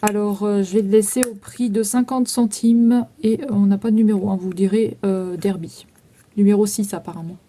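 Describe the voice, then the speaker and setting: A French woman in her thirties, a vlogger, casually walks through makeup she's selling, reeling off prices and numbers with plenty of fillers. Her voice is medium-pitched and warm, with fairly even intonation and a normal pace.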